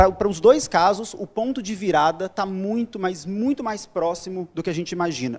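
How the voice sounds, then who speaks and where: A man with a Minas Gerais accent talks at a fairly quick pace, his high pitch carried by lively intonation. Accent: Minas Gerais accent, noticeable. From Brazil, Belo Horizonte (Minas Gerais). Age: young. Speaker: lawyer and startup founder giving a talk. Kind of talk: talk on stage. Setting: stage with audience.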